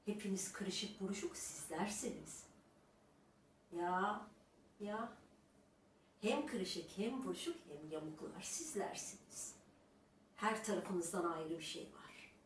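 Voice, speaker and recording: A woman's voice: medium pitch, echoey room, distant mic, a little hiss or hum. A woman scolding her online critics in a scornful, lecturing monologue, throwing in repeated rhetorical questions. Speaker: YouTuber addressing her critics.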